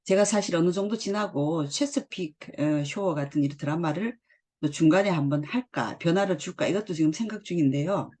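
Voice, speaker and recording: Husky-voiced woman teaching English. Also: lowish voice, a little mellow. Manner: reads English lines slowly, then explains them. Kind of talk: explaining drama dialogue in a lesson.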